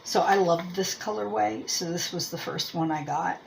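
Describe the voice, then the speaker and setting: Gravelly and low, this Pennsylvania Dutch-accented woman from Lancaster County talks at a moderate pace while hosting a chatty homemade review on her crochet and yarn channel. She thinks aloud, rambles and pokes fun at herself, and the rough recording has slight background noise.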